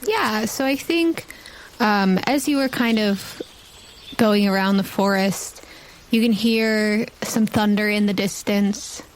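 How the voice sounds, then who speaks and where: A woman runs a tabletop role-playing game as game master, setting scenes in descriptive narration. She takes her time at a medium pitch, with faint noise behind her. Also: slow pace, poor audio.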